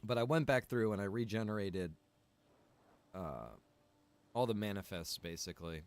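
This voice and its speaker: Male game streamer, slightly low register, informal and rambling, thinking out loud. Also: moderate pace, smooth. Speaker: streamer and server developer. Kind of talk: casual gaming stream chat.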